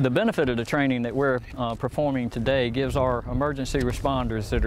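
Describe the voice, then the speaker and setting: There is noticeable background noise, yet the sound is dry with no echo. The man moves along at a fairly quick pace. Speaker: hazmat training instructor. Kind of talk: interview answer. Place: open country.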